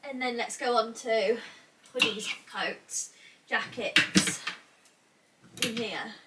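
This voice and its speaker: This young adult from England talks in British English with a fairly high, steady voice at a slow pace, a little stuffed up from a cold. She's casually vlogging while going through clothes in her cramped, messy bedroom wardrobe room, chatting and thinking out loud with frequent "like". The sound comes from a distant camera mic across the small room, with faint noise.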